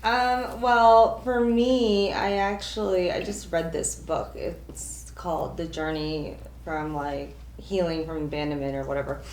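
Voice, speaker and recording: Low-voiced woman sharing in a roomy room. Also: steady tone, a little slow, few pauses, darkish tone, slight background noise. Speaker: client in couples counseling. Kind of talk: casual talk in a session.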